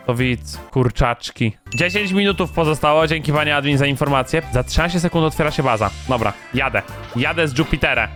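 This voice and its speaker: A high-pitched man commenting on his game in an excited rush, repeating phrases and bursting into shouts. Faint music plays softly behind his voice. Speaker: gaming YouTuber.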